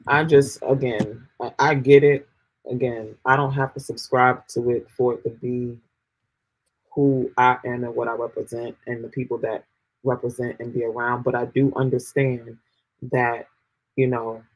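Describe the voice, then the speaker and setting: A man's voice: mid-range voice, flat delivery, moderate pace, rough recording. A man with a New York accent co-hosting a casual panel chat, rambling and full of fillers. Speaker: podcast co-host.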